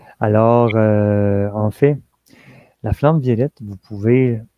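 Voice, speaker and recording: A soft-spoken man with a Quebec accent talks at a medium pitch with fairly even intonation. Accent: Québécois French. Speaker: spiritual energy healer. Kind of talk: online conference talk. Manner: halting.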